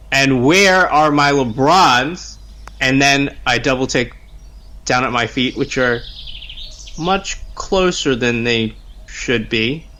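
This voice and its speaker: Slow, halting man improvising game narration. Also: medium pitch, bright, forceful tone, slight background noise. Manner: halting, bemused. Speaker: player in a tabletop roleplaying podcast. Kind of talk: improvised first-person roleplay narration.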